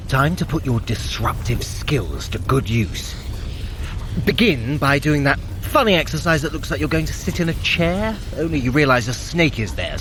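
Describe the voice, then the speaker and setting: An actor playing a sly, haughty trickster god of magic in an audio drama, teasing and theatrical. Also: male voice, mid-range voice, background noise, natural voice. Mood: commanding, then wry, fussy. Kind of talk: audio drama fitness adventure acting.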